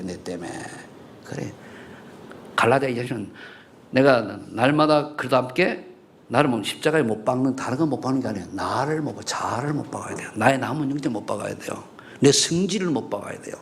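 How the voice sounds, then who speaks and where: A middle-aged man preaching a sermon in a church, swinging between loud rising questions and low murmured asides, and bantering with the congregation. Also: expressive, a little fast, gravelly, slight background noise. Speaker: pastor. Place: church sanctuary.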